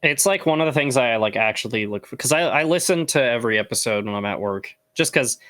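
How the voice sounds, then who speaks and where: A man's voice: mid-range voice, animated, fast, fairly bright tone. A man co-hosting a casual podcast, laid-back and hesitant, with lots of fillers. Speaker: podcast co-host.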